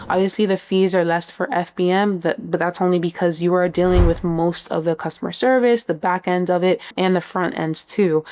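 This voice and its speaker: A woman's voice: fairly low pitch, darkish tone. A woman in her twenties from Miami, casually chatting as she answers viewer questions, with frequent "um" and "like". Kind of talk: casual Q&A chat reading viewer comments.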